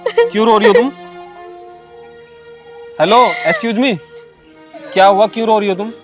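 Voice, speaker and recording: A man playing a village husband in a comedy sketch, speaking, pleading and excitable, often rising to shouts. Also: high voice, unhurried, soft background music. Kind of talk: rural comedy sketch acting.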